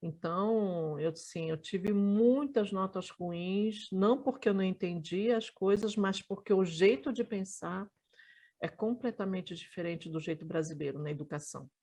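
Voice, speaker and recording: A Brazilian woman in her forties telling her life story in an interview, thoughtful and halting, with many restarts. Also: mid-range voice, warm tone. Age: 40s.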